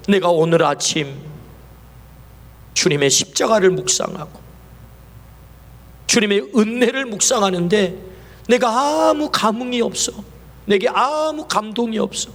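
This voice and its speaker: Male pastor, high voice, sermon with rhetorical questions, long church reverb. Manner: asks the congregation many rhetorical questions. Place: church sanctuary.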